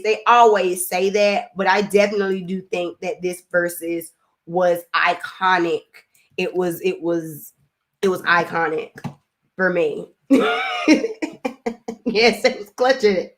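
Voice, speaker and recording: Laughing Southern woman chatting on a live stream. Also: mid-range voice. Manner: animated, laughs often, drawls and drags words. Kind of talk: casual live-stream chat reading comments.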